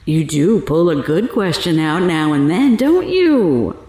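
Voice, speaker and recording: An actress playing a sly, menacing older fortune teller accused of murder in an audio drama, taunting and theatrical in a drawl. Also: female voice, sits low, sing-song, a little slow, warm tone, roomy sound, heavily acted. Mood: sly, matter-of-fact.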